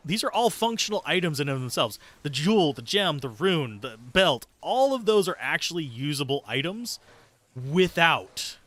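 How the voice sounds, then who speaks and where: Male game streamer, bright forceful voice, dry close sound, casual commentary, sardonic, self-deprecating, sweary. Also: a little high, no room sound. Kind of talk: casual live gameplay commentary, chatting with viewers.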